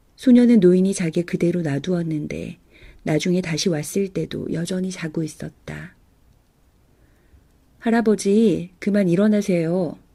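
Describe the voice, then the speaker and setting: A woman with a fairly low pitch and a dark, mellow tone speaks at a fairly slow pace with ordinary pitch variation. She takes long, frequent pauses on a very clean recording with a silent background. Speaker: audiobook narrator. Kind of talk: audiobook novel reading.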